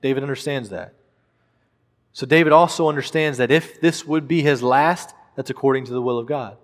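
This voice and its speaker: Male preacher, mid pitch, earnest and emphatic sermon delivery, long room reverb.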